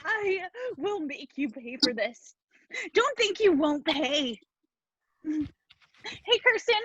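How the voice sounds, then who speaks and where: Comedy role for a woman: vengeful student, melodramatic, very high, slow swooping delivery. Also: expressive, a bit bright, no echo, heavily acted. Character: heartbroken, vengeful melodramatic young college woman. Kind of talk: staged reading of comedy sketch. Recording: dull lo-fi video-call audio.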